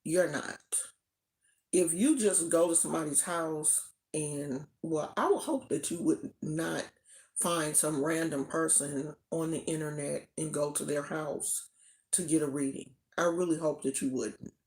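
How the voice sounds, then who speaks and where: An American woman who teaches a religious tradition speaks casually to a live audience, chatty and repeating herself for emphasis. Her voice is low, unhurried and a little mellow.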